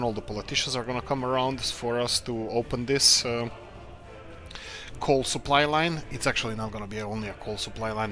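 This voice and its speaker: A man's voice: mid-range voice, pushed and bright. Man thinking aloud while gaming. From Croatia. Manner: rambling, thinks aloud, upbeat muttering. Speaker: let's play host. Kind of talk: casual gameplay commentary.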